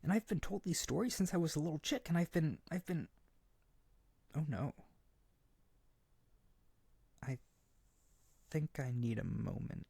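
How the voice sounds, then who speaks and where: Man acting a husky, earnest lovesick harpy boy. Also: on the high side, lively intonation, normal speed, long pauses, warm tone, no room sound, heavily acted. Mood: horrified. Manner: hesitant, stammering, tender and earnest. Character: earnest lovesick young harpy bird-boy, gentle and insecure. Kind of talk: roleplay audio drama spoken intimately to the listener.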